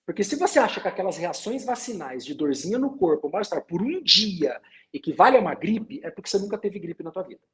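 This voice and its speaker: A middle-aged male doctor on a live video call with a very expressive, swinging pitch. He tells stories from the clinic and mimics his patients. His tone is chatty and quick to react. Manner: lively storytelling, quotes patients. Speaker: doctor guest. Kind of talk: casual live-stream medical chat.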